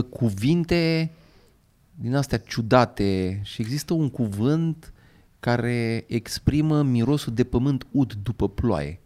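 Un bărbat tânăr, co-gazdă de podcast, care vorbește jucăuș și înjură fără jenă. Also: male voice, mid-range voice, darkish tone. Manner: playful, swears freely. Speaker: podcast co-host. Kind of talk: casual chat.

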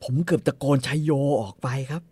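A man casually retelling a story on a podcast, animated and laughing often. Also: on the high side, a little fast, breathy edge, no echo.

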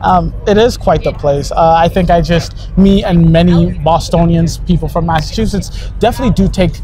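A man's voice: a little high, normal speed, dark tone. A man hosting a casual interview show in an effusive manner, often breaking in with exclamations.

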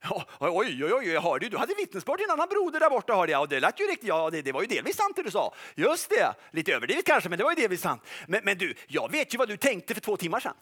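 A man's voice: high voice, wildly swooping pitch, few pauses, a bit bright, full character voice. A man preaching voices a sly male devil who mockingly lists a listener's faults with sarcastic, probing questions. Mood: taunting.

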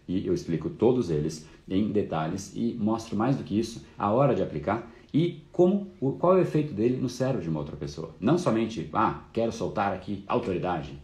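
A man's voice: low voice, mellow, reverberant. A man hosting a live course talk, explaining casually and fluently with frequent fillers. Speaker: course host.

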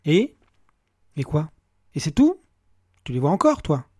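An obsessive, bitter husband who keeps hammering at his wife with accusations, read by a man. The voice sits a little high and sounds dry and close, with no room around it. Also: big pitch swings, moderate pace, husky, no echo. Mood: pressing. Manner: accusing, pressing, grows shouting.

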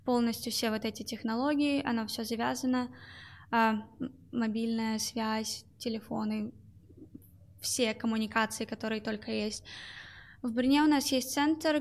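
A young woman appears as an interview guest, talking about her job at a call center. Her voice is fairly high and creaky, and her answers are full of hesitations and filler words.

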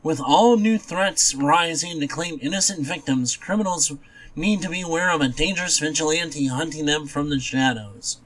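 A man's voice: on the high side, normal speed, fairly bright tone, rough recording. A man co-hosting a podcast in casual, blunt chat about comics, dismissive and given to offhand swearing. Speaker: podcast co-host.

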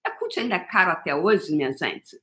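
A woman's voice: on the low side, lively intonation, brisk, fairly bright tone. Emphatic Brazilian woman coach, live talk. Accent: Brazilian Portuguese. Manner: emphatic, calls listener "meu amor", mild swearing. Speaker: motivational coach.

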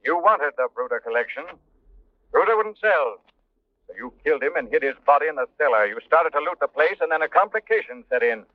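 The Shadow, a man as a menacing high-pitched avenger. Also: expressive, no room sound, natural voice. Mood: accusing. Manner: deliberate, accusing, menacing. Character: mysterious, mocking male avenger of crime. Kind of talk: 1940s radio drama acting. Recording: tinny, narrow old radio recording.

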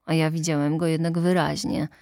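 A woman reading a classic novel aloud as an audiobook narrator, measured and somber. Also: low-pitched, flat delivery, warm tone, no echo, studio quality. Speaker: audiobook reader.

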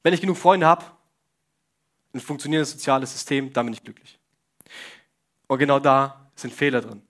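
A man's voice: mid-range voice, moderate pace, fairly bright tone. A young man giving a casual sermon, speaking straight to the congregation with questions and joking asides. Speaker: preacher.

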